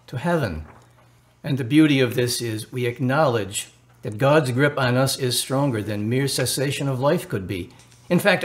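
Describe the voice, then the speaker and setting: An earnest Catholic priest in a radio drama, played by a male actor, with a medium-pitched voice. He speaks in a formal, consoling manner, a touch hesitant as he chooses his words, gently solicitous throughout. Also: natural voice.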